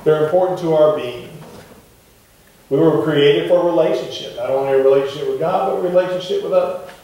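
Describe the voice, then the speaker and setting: A middle-aged man delivers a sermon in a chatty, questioning manner, his voice a touch higher than most men's. He is recorded from a distance at the back of a wooden church sanctuary. The room rings with heavy echo. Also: fairly quick, mellow. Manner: conversational, asks the congregation questions. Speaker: pastor. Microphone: far camera at the back of the church. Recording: echoey church heard from far off.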